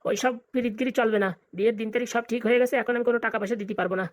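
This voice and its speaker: Woman playing a fast, blunt old village grandpa. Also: a little high, steady tone, close to an everyday voice. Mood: scolding. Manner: scolding, blunt, colloquial. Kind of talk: comic cartoon dialogue.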